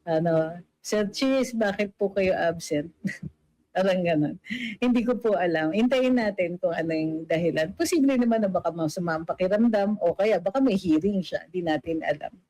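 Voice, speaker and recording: A woman's voice: on the low side, animated, normal speed, warm tone, no echo, poor audio. A middle-aged woman giving casual political commentary and reading viewer comments aloud, chatty, with many fillers and English mixed in. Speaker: political vlogger.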